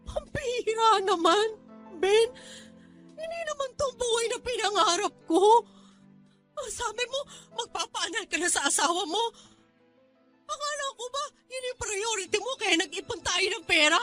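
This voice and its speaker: An anguished girlfriend in a radio drama, her voice very high and swooping. She is exasperated and emotional, pleading with her man over a music bed. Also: animated, normal speed, fairly bright tone. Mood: tearful reproach. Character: fed-up, anguished live-in girlfriend of a gambler.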